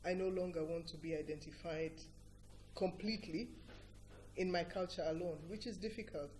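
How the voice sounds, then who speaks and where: A woman's voice: on the low side, steady tone, moderate pace, darkish tone. Ugandan woman explaining emphatically, noisy recording. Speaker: interview guest, cultural organisation director. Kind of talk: earnest explanatory interview talk. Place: TV breakfast show interview.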